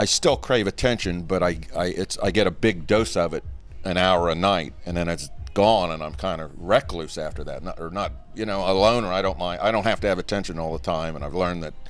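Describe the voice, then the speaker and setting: Over music in the background, a man talks at a fairly quick pace in a very deep, low voice with ordinary pitch variation. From US Midwest, Dayton, Ohio. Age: 60s. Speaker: stand-up comedian. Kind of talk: casual interview. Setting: aboard a cruise ship.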